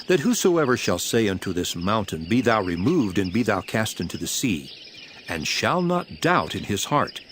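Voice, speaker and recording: Solemn, lively-voiced Jesus in Bible drama. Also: male voice, on the low side, slight background noise. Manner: solemn, deliberate, commanding delivery of archaic speech. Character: Jesus, calm authoritative male teacher of scripture.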